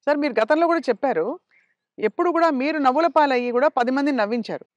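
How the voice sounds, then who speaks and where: A man's voice: very high-pitched, fast, no room sound. A man interviewing a guest, asking questions and prompting with short murmured agreements.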